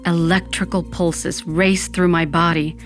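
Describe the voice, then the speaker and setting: A woman's voice: fairly low pitch, level tone, unhurried, soft background music, close to an everyday voice. A woman playing a dramatic, dreamy young Latina who narrates her own story in an audio drama. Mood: wistful. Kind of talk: first-person scripted audio fiction narration.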